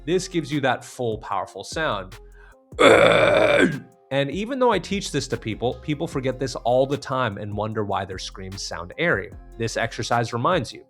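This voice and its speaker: Guy vocal coach doing a tutorial, bit of fry in his voice, medium pitch, music behind him. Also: lively intonation, normal speed, few pauses, a bit bright. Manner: demonstrates exercises step by step, direct address. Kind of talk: instructional tutorial narration.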